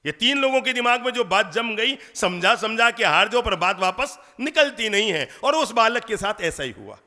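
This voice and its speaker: A man preaching in a high, bright voice, spinning a story and tossing rhetorical questions at his listeners. His words ring out with a long hall reverb. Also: expressive, moderate pace. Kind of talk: storytelling sermon. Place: large lecture hall.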